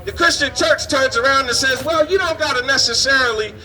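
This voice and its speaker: A man with an extremely high, pushed and bright voice delivers a fiery street sermon at a fairly quick pace, emphatic and indignant, often punctuating phrases with "man" and "you understand." He preaches outdoors on a city street, with passing vehicles, street noise and faint music in the background.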